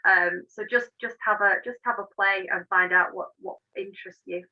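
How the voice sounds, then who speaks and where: A woman's voice: mid-range voice, steady tone, normal speed, highs cut off. A woman being interviewed as an engineer, explaining and giving advice in an emphatic, encouraging, informal way. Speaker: interview guest, engineer and managing director.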